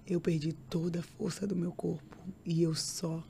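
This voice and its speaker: A woman tells an emotional faith testimony as a podcast guest. Her voice sits a little low, and she repeats phrases and puts on the voices of the people in her story. A faint background hiss runs under her. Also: level tone, normal speed, creaky, warm tone.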